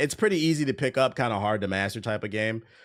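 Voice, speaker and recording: A man speaks with lively intonation. The recording is very clean with a silent background. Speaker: gaming streamer. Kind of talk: live stream chat. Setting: live stream. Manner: casual, conversational.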